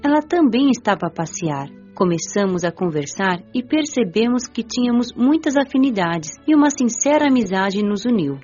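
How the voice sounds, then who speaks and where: A woman's voice: fairly high pitch, expressive, moderate pace, few pauses, a little mellow. A woman with a Brazilian accent reading scripted first-person narration for an audiobook. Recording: muffled lo-fi audio with music.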